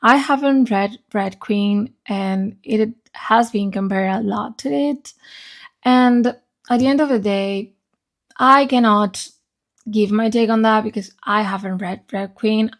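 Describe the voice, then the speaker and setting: A woman's voice: medium pitch, steady tone, takes it slowly. A woman giving a casual, chatty book review in an informal, sweary way, her voice grainy and unsteady as she recovers. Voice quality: unstable, grainy voice. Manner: informal, sweary, often checks in with "okay?". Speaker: book reviewer, video channel host.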